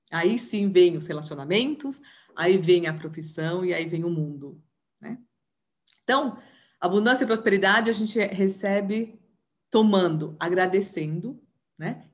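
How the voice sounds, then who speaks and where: A woman with a Brazilian Portuguese accent giving an informal teaching talk on family systems, often tagging her sentences with little questions. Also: mid-range voice. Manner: chatty, tags sentences with questions; acts out dialogue in raised voice.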